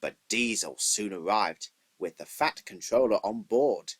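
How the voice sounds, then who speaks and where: A man's voice: lowish voice, a little slow, a bit bright, husky. A man reading scripted narration for a children's train story as its storyteller.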